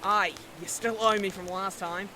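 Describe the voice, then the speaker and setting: A woman's voice: mid-range voice, steady tone, moderate pace, close to an everyday voice. Woman playing a hearty sailor over watery noise. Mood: hearty, working. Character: hearty seafaring sailor hauling lines. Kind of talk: maritime audio drama acting. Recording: outdoor scene, loud water and rain ambience.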